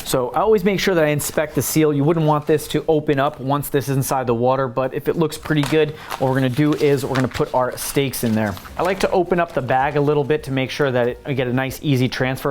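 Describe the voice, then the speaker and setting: A man's voice: a little high, fairly quick, hardly any pauses, slight background noise. A man hosting a home cooking tutorial, chatting casually and explaining each step as he works in his kitchen. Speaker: home cooking channel host.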